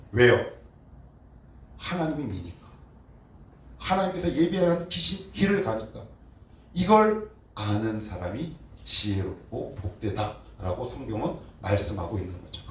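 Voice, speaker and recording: A man preaching a sermon as pastor, acting out prayers and questions in a raised voice. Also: mid-range voice. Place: church sanctuary. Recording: roomy church sound from a distant mic.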